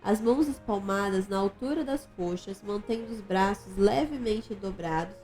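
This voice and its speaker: A woman reading an instructional manual aloud in a measured, formal way. She gives extra stress to the command words. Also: medium pitch, a little mellow, soft background music. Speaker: audiobook narrator.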